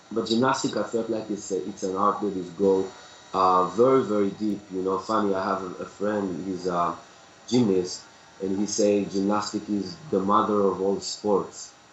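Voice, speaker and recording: A man with an Israeli accent speaks at a moderate pace in a fairly low voice with monotone, flat intonation, and there is noticeable background noise. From Israel, Tel Aviv. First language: Hebrew. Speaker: capoeira and hand balancing instructor. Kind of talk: casual interview. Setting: video call.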